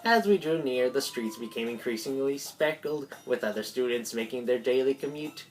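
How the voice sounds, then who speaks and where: A woman's voice: a bass voice, normal speed, darkish tone, soft background music. A woman doing an amateur read-aloud narration of a visual novel with asides, stumbling over lines and correcting herself. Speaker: video creator voicing a visual novel.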